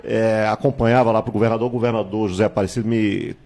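A man, a candidate recounting his life in a studio interview, measured and reminiscing, with hesitations and tag questions, on a handheld mic. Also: fairly low pitch, steady tone, darkish tone. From Salvador, Bahia, Brazil. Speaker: political candidate, guest. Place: small TV studio with virtual set.

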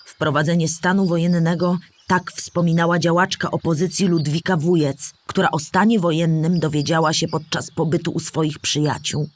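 A woman's voice: low-pitched, steady tone, moderate pace, hardly any pauses, natural voice. A woman playing an older storyteller who remembers the war, explaining history patiently in a scripted audio drama for children. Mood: explanatory, grave.

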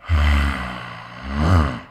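Male actor as burly werewolf detective for audio roleplay: tired, protective, slow and sighing delivery over a music bed. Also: mid-range voice, steady tone, darkish tone, close to an everyday voice. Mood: weary, brooding. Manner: musing, sighing, unhurried. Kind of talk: audio drama monologue, intimate and conversational.

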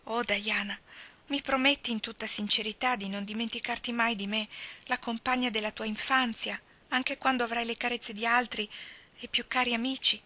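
A woman's voice: a little high, fairly even intonation, normal speed, bright, forceful tone, voice pushed up. A woman voicing a dramatic, sentimental orphan girl who talks in a gushing, theatrical way. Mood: heartfelt.

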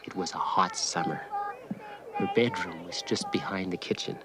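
A man's voice: sits low, moderate pace, heavy background noise. A man narrating a scripted first-person story about his childhood.

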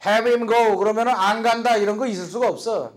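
A man teaching a lecture class, explaining quickly between slow, repeated English drill phrases. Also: high-pitched, steady tone.

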